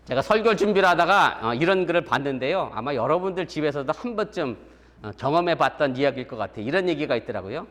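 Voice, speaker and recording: A middle-aged man from Korea delivers a relaxed, story-driven sermon as a pastor and slips into the voices of the people he quotes. His voice sits a little above the usual male range. The sanctuary gives it a long, ringing reverb. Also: a little high, fast. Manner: chatty, acts out quoted voices, chuckles at his own stories. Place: church sanctuary. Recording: long church hall reverb.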